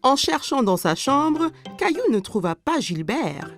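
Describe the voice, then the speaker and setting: A woman's voice: sits high, big pitch swings, unhurried. A woman narrating a scripted children's cartoon story. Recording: music under the voice.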